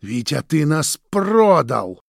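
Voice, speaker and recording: A man voicing a hot-tempered young man who shouts in a strained, raised voice, in an audiobook. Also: fairly high pitch, lively intonation, unhurried, dry recording, studio quality, voice pushed up. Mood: bitter. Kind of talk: audiobook character voice.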